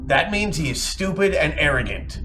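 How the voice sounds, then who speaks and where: A man's voice: fairly high pitch, animated, normal speed. A man chatting casually as a player in a tabletop game. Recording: music playing behind.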